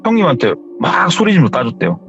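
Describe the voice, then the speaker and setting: A man hosting a horror story radio show, telling a story in an animated way and acting out the quoted lines. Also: on the high side, fast talker. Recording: dull audio with faint music.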